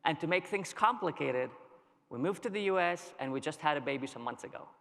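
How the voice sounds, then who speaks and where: A man from Lebanon giving a conference keynote, telling a story in a measured way with dramatic pauses. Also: a little high, animated, creaky, pushed and bright, slight background noise. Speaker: keynote speaker. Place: large conference hall. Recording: long reverb of a large hall.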